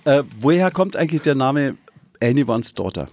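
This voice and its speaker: A man's voice: medium pitch, sing-song, normal speed, darkish tone, a little hiss or hum. A man hosting a radio interview, asking playful, teasing questions. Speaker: radio host.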